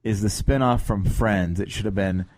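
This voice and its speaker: A man hosting a podcast in casual, joking banter, talking in a meandering, halting way on a close mic. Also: lowish voice, a little mellow, dry recording. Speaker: podcast host.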